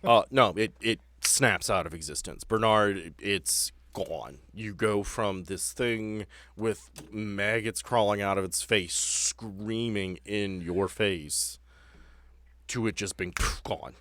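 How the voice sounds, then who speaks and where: A man narrating and refereeing a tabletop game as game master, with deliberate, dramatic storytelling. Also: fairly low pitch, fairly bright tone, dry recording. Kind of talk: improvised game narration and rules talk.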